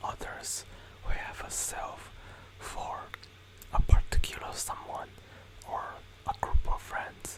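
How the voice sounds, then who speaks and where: Whispering unfolds at a very slow pace. Noticeable background noise sits behind it. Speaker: ASMR creator reading a book aloud. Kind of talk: ASMR book reading. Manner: whispered.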